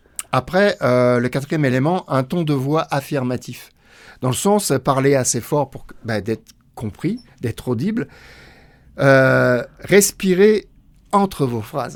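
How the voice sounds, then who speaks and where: With long, frequent pauses, a man talks at a very slow pace, his medium-pitched voice rising and falling in lively intonation. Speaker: employment counsellor. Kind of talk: radio interview.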